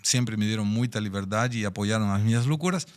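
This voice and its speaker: A man's voice: lowish voice, fairly quick. A man in his sixties from Argentina, with an Argentine accent, a native Spanish speaker, telling personal stories in a podcast interview in a reflective way. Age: 60s. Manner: reflective, storytelling, speaks of personal life lessons. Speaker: guest.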